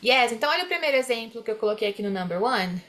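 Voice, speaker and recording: A young woman leads an online English class with a fairly high voice. She explains things in Portuguese and slows down to model each English word. She keeps checking in with her students. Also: animated, fairly bright tone. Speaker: English teacher.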